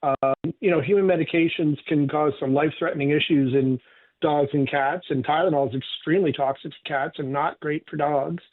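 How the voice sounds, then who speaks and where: Hoarse veterinarian man on a phone line. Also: a little high, fairly even intonation, a little fast. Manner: chatty, advice-giving, loose with fillers. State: hoarse from a cold. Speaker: veterinarian guest.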